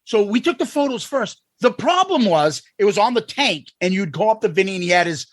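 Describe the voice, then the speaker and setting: A man from Boston co-hosts a casual podcast, talking in an excitable, animated way and swearing now and then. His voice sits high for a man. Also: brisk, no room sound. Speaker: podcast co-host.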